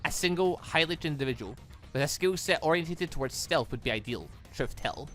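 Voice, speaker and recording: A man reading the visual novel lines of a cold, scheming villainess in a measured, calculating manner. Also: on the high side, expressive, a bit bright, soft background music. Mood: cool, firm. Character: cold, scheming villainess plotting a city's downfall. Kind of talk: reading visual novel game dialogue in character.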